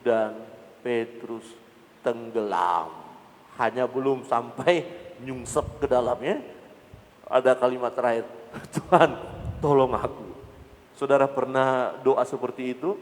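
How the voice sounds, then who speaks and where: A man preaching a dramatic sermon, swinging from loud, high bursts to low murmurs. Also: steady tone, unhurried, long pauses, big-room sound. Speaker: pastor.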